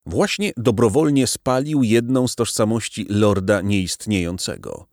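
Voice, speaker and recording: A man reading a novel aloud as audiobook narrator, dramatic and expressive. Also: fairly low pitch, a little slow, no room sound, clean studio sound. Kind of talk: scripted narration.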